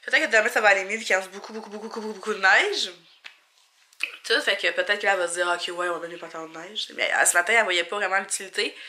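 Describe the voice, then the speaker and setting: Congested Quebec woman with a bright voice. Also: mid-range voice, fast talker. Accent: Quebec French. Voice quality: congested, stuffed-up nose. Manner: rambling, informal, thinking aloud. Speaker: vlogger and mother. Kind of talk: casual vlog chat. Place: indoors at home.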